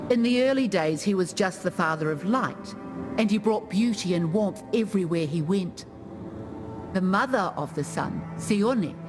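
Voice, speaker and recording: An actress voices a tribal woman who keeps the myths of her people in a fantasy game. She speaks in a measured, formal storytelling manner, earnest and mid-pitched, with music clearly playing behind her. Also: lightly acted. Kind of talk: video game character lore monologue.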